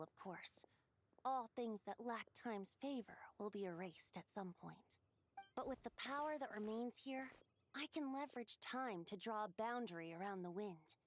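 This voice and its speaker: A woman playing a youthful, playful boyish wind spirit bard in a game, speaking in a gentle, poetic and theatrical way. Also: on the high side, close to an everyday voice. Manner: lilting, theatrical, politely poetic. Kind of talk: game character dialogue. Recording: music behind the voice. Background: music.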